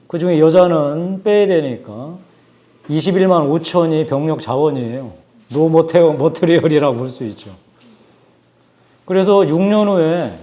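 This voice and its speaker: A man in his forties giving a book talk, explaining numbers in a measured way with frequent hesitations. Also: a little high, warm tone. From South Korea. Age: 40s. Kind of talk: lecture-style talk with statistics.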